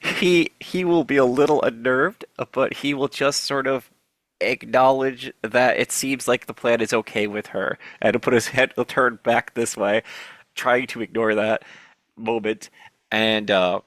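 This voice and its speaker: A man playing a tabletop game, thinking aloud with halting restarts. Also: medium pitch, fairly even intonation, a bit bright, dry recording. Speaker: player. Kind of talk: casual tabletop role-play.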